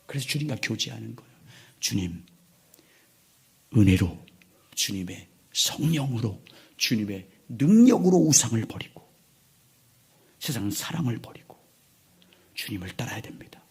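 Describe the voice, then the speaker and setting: A man in his sixties, a pastor preaching a sermon in a church, moving between loud emphatic lines and hushed, near-whispered ones. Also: mid-range voice, creaky, slightly rough. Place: church sanctuary.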